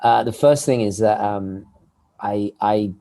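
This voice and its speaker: A man with a British accent, whose first language is Italian, chats as a podcast guest. His voice is low and mellow, and he often stops to repeat words before going on. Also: a little slow, gravelly. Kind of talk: casual podcast chat.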